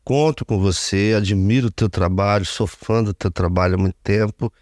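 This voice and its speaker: A man's voice: lowish voice, moderate pace, a little mellow, no echo, studio quality. A man in his fifties, a radio broadcaster, giving an earnest interview testimony and speaking often of his faith. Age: 50s.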